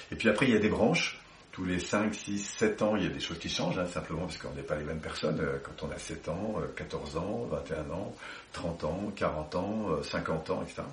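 Noticeable background noise and audible room echo accompany speech at a moderate pace with ordinary pitch variation. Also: man, very deep, low pitch for a man. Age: 50s. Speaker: personal development trainer. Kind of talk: interview. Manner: halting.

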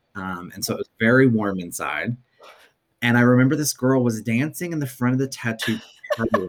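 A man with an American accent talks at a fairly quick pace in an unremarkable speaking voice. His pitch is medium, with ordinary pitch variation. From Southern Virginia. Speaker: quilter and fabric designer. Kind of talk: casual chat.

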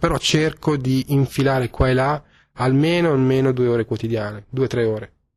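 A somewhat breathy man's voice at a medium pitch. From Italy. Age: 30s. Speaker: jazz drummer. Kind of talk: interview. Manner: halting with fillers.

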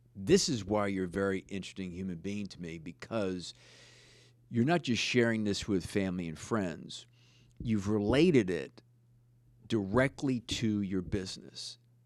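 In an ordinary speaking voice, a man talks at a moderate pace with a fairly low pitch and ordinary pitch variation, recorded very cleanly against a silent background. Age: 50s. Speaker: podcast host and sales performance coach. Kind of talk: casual interview.

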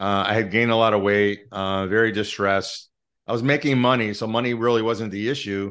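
A man speaks at a fairly low pitch with fairly even intonation against a quiet background. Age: 60s. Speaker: financial advisor. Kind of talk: casual interview. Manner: halting.

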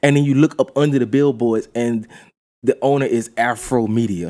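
A man talks at a moderate pace in a medium pitch. His is an unremarkable speaking voice. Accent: American. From US South, Augusta, Georgia. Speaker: art director and clothing designer. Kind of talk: casual chat.

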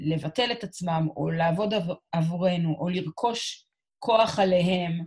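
A woman speaks at a medium pitch with a somewhat breathy sound and ordinary pitch variation. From central Israel. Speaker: political candidate. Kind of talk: interview.

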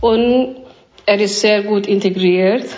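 A woman with a fairly high pitch talks at a very slow pace with fairly even intonation. Audible room echo and noticeable background noise surround her. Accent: Indian. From India. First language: Indian language (speaking German). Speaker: immigrant mother. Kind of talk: testimony. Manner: halting.

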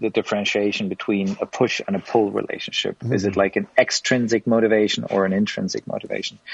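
A man speaks with a German accent at a fairly quick pace. His voice sits at a medium pitch. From Germany. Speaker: sports tech entrepreneur. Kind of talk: interview. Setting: remote video call.

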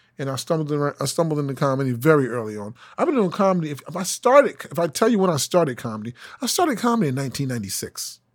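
At a very fast pace, a man with a fairly high pitch speaks with very wide pitch swings. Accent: New York. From Brooklyn, New York. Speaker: comedian. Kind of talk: casual chat. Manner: halting.

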